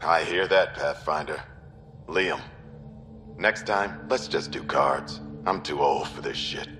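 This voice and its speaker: A man's voice: rumbling low, takes it slowly, music in the background, heavily acted. A middle-aged man playing a genial, seasoned settler leader in a video game, talking in a folksy, wry way. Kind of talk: video game dialogue acting.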